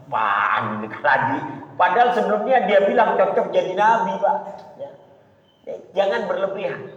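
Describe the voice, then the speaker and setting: A middle-aged man, giving an informal religious lecture in a chatty way, often calling listeners "Pak" and acting out quoted dialogue. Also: high voice. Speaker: preacher. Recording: echoey hall, dull lo-fi sound.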